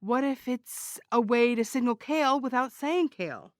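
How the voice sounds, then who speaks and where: A woman's voice: a little high, lively intonation, normal speed, no room sound, clean studio sound, natural voice. A woman playing a wry, theatrical podcast host who investigates a crime in an audio drama. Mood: eager.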